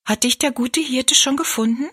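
A woman's voice: sits high, normal speed, a bit bright, husky, voice pushed up. A woman voicing an earnest, pious little girl who asks sincere, eager questions in a storybook reading.

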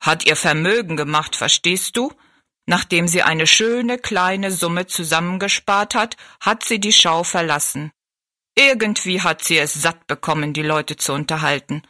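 A woman voicing a tall, thin, dignified male giant from a fair show, who talks slowly in a courtly, regretful way. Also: lowish voice, dry recording, studio quality. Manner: slow, courtly and gently regretful.

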